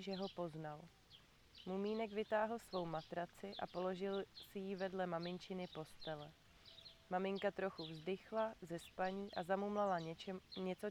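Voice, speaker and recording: Calm woman reading a storybook outdoors. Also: on the low side, a little hiss or hum. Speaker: reader for children. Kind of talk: reading aloud to children. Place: outdoor community garden.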